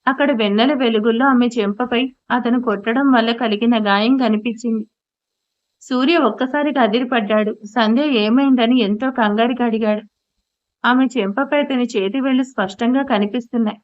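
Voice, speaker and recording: Woman, audio story narrator, scripted, highish pitch, muffled lo-fi recording. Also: normal speed. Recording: dull lo-fi audio.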